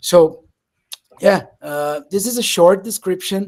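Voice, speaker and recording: With a Brazilian accent, the speaker goes at a fairly slow pace. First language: Portuguese. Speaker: game community representative. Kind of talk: game presentation on a livestream. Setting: livestream. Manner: halting, many repeated words.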